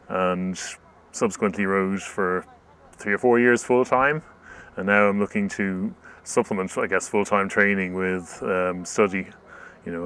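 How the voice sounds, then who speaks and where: Deep, very bright-voiced man. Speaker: rower and student. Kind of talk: reflective interview talk.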